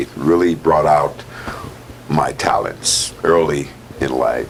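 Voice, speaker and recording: With an American accent, a man talks very slowly as noticeable noise fills the background. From US Midwest, St Louis Missouri. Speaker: singer, vocal group leader. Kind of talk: interview.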